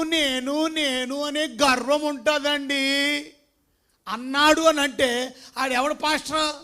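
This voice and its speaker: A male preacher with a strikingly high, bright voice delivers an emphatic sermon. He keeps firing questions at the congregation and slips English phrases into his speech. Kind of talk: Telugu sermon.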